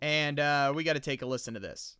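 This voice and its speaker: A man's voice: fairly high pitch, brisk, pushed and bright, smooth, dry recording, clean studio sound. A man hosting a podcast, chatting casually with amused, emphatic commentary. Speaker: podcast host. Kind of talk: casual chat with enthusiastic commentary.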